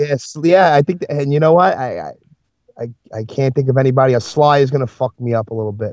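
This man has a normal speaking voice, pitched fairly high, with lively intonation. He talks at a fairly quick pace. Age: 40s. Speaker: hardcore music show promoter. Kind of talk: casual chat.

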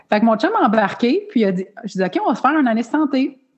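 Very fast, animated delivery with lively intonation. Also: woman. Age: 40s. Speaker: astrologer. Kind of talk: casual interview chat. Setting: remote recording.

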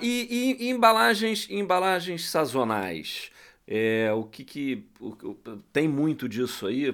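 A man's fairly high voice at a very slow pace, with very wide pitch swings, on a very clean recording with a silent background. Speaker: podcast co-host. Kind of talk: casual chat.

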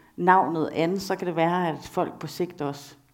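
A woman speaks at a fairly low pitch. The room echo is audible. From Denmark, West Jutland. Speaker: musician. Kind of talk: casual chat. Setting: stage with audience.

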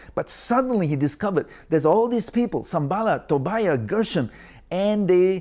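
A man's voice, high in pitch, has a dark, mellow tone. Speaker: preacher. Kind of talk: sermon. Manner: animated, rallying pulpit delivery with call-and-response; teacherly and earnest, building points step by step.

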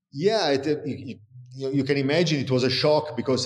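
At a moderate pace, a man speaks with an Italian accent. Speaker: winemaker. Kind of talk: interview. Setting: tasting room, remote call. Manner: halting.

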